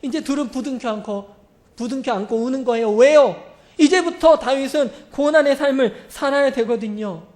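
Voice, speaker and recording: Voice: sits high, moderate pace. A pastor preaching a sermon who retells a story vividly, asks the congregation questions, and acts out the characters' lines. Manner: animated, acts out quoted speech.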